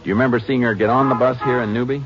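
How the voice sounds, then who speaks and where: A man playing a calm, terse Texas Ranger who questions and narrates in a 1950s American radio drama. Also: medium pitch, rapid-fire, lo-fi sound, close to an everyday voice. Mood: businesslike. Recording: band-limited vintage radio recording with music.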